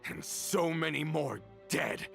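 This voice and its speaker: An actor playing a bitter, scornful villain in a video game, theatrical and full of grief and resentment. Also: male voice, fairly high pitch, expressive, takes it slowly, creaky, fairly bright tone, faint music behind, exaggerated voice. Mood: anguished accusation. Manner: theatrical, scornful, rising from cold brooding to anguish.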